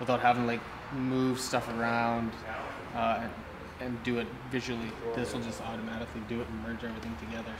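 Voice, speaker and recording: Loud background noise fills the clip. Over it, a man talks at a very fast pace. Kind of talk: casual explanation to a vlogger. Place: garage. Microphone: phone near.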